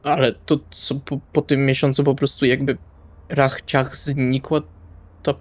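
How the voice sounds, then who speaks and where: A man's voice: mid-range voice, little pitch movement, unhurried. A man playing a tabletop role-playing game, improvising dialogue in a casual, wry, colloquial way. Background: music.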